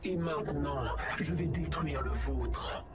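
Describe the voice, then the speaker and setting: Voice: medium pitch, takes it slowly, a loud crowd, natural voice. A performer voicing a solemn, condescending, all-powerful female AI villain in a French-dubbed video game. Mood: menacing calm. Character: cold, contemptuous, all-powerful female artificial intelligence villain.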